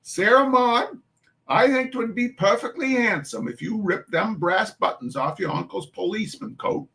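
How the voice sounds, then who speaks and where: A man's voice: high voice, pushed and bright, voice pushed up, heavily acted. A man voicing a bustling, bossy mother of a big poor family, with an attempted urban Irish dialect. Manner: brisk, ordering people about. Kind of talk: storybook reading.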